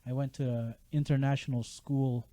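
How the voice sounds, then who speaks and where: A man from the Philippines, a game app developer, telling his story as a podcast guest in a relaxed, casual way. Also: mid-range voice, normal speed, no echo. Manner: relaxed storyteller, casual slang, laughs easily. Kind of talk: casual interview chat.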